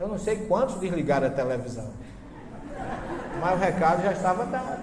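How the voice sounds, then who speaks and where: In a northeastern Brazilian accent, a man speaks with an animated tone and lively intonation, with noticeable background noise and audible room echo. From Brazilian Northeast (Paraíba). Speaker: religious lecturer, Bible scholar. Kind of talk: lecture.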